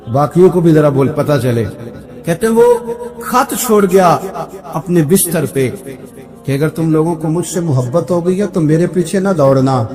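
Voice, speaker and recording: A man delivering an emotional sermon, telling stories and quoting other people, his voice dropping low and then rising to exclamations. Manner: sways between hushed quoting and raised exclaiming. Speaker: preacher.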